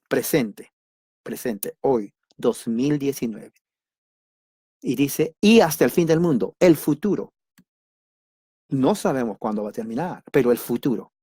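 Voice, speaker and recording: A man's voice: mid-range voice, darkish tone, breathy edge, no echo. Emphatic man teaching Bible class, dry sound. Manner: emphatic, repeats key words; deliberate, simple wording. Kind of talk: church doctrine class.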